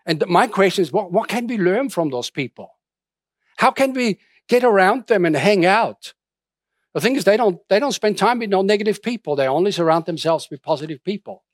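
A man's voice: high-pitched, animated, brisk, no room sound, clean studio sound. A middle-aged man from Austria preaching a sermon in a conversational way, with many restarts and fillers. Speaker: pastor.

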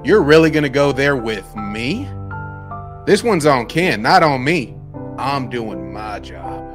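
Indignant committee chairman, acted by a man, lowish pitch, emphatic and combative, staged dramatic reading with music underneath. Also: moderate pace, fairly bright tone, lightly acted. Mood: defiant. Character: indignant, defiant male Texas legislative committee chairman.

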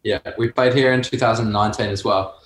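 A man's voice: fairly low pitch, fairly even intonation, fairly quick, fairly bright tone, roomy sound, low-quality recording. A man in a band, guesting on a podcast over a remote call and giving short, offhand answers. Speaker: musician guest. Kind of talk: casual interview chat.

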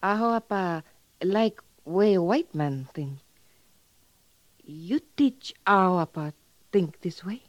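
An actress playing a young Native American woman in a radio drama, earnest and softly curious, speaking halting, simple, solemn broken English. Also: fairly low pitch, lively intonation, no room sound. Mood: eager, curious. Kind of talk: 1950s radio drama acting. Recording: muffled vintage radio recording.

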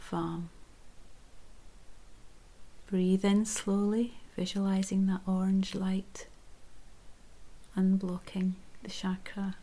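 Slow whispering woman guiding meditation. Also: medium pitch, poor audio. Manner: soft whispering, gentle and unhurried. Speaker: meditation guide. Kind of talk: guided chakra meditation.

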